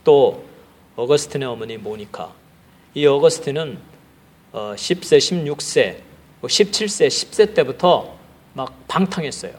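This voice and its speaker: A male pastor preaching a sermon, telling stories in an animated way and acting out the characters. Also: mid-range voice, a little slow. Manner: animated storytelling that acts out the characters. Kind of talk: sermon storytelling.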